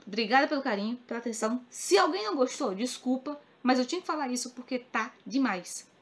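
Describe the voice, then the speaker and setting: A woman's voice: sits high, expressive, fast, a bit bright. A woman with a Northeastern Brazilian accent from Ceará, talking to camera as a crochet YouTuber in an earnest, emphatic way, repeating points to stress them. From Cariri region of Ceará, northeastern Brazil. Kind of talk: casual talk to the camera.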